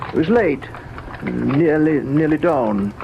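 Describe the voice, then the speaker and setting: An actor playing a distraught middle-aged father, a country gentleman, speaking gravely and haltingly with stammers in an old-time radio drama. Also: fairly high pitch. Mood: shaken, halting. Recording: muffled, noisy old radio recording.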